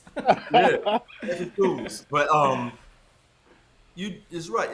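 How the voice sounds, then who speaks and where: In an American accent, the speaker talks at a very slow pace with long, frequent pauses, very wide pitch swings, and big swings in loudness. Background noise is noticeable. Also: man. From Detroit, US Midwest. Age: 70s. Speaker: veteran singer and saxophonist. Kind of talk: podcast interview.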